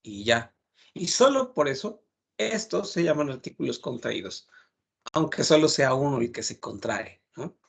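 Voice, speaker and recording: A man teaching a French lesson, explaining patiently and repeating words slowly to model pronunciation. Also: medium pitch, big pitch swings, vocal fry, slightly rough.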